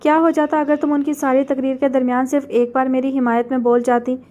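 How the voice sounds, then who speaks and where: A woman's voice: high-pitched, level tone, fast, mellow, dull audio, lightly acted. A woman reading as a sulky, hurt young girl.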